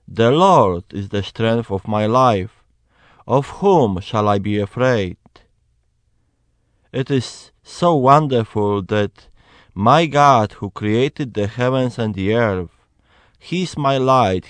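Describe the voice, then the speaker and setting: Slow earnest man with a Polish accent. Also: mid-range voice, expressive, dry recording. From Poland. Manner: slow, earnest, emphatic preaching. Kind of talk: personal testimony, Bible reading.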